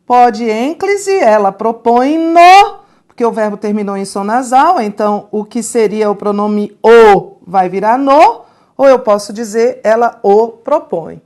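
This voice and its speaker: Woman, grammar teacher, slow, slightly high voice, asks and answers her own questions. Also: darkish tone. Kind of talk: recorded grammar lesson.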